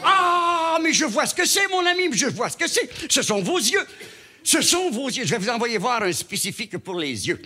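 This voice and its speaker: A man voicing a pompous, fussy male doctor who talks down to his patient in a high, emphatic voice. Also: very animated, moderate pace, sharp tone, slightly rough, full character voice. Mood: bossy.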